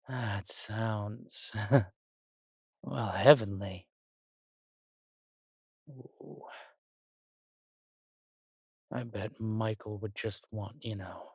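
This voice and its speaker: A man's voice: mid-range voice, husky, no echo, studio quality, heavily acted. A man playing a chatty, fussy angel in an audio drama, with theatrical, musing asides. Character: chatty, fussy, coffee-loving male angel, teasing elder brother.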